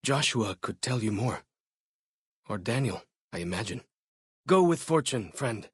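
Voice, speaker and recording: A young tribal scout from a video game, earnest and loyal, with a slightly unclear, dry-recorded voice at a middle pitch. He speaks plainly in short, measured phrases, like someone recounting his people's history. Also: lively intonation, fairly bright tone, breathy edge, no echo, heavily acted. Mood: friendly. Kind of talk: video game character dialogue.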